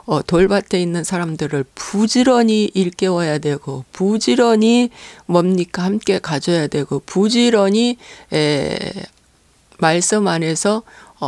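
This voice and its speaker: Gravelly-voiced woman pastor preaching. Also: on the low side, darkish tone, dry recording. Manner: earnest preaching with rhetorical questions to the congregation; hesitant fillers between phrases. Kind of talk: sermon.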